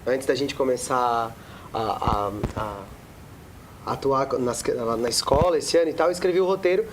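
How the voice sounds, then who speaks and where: A man's voice: medium pitch, measured pace, noisy background. A man in his twenties who writes and performs, speaking as a talk-show guest with dry, joking remarks. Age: 20s.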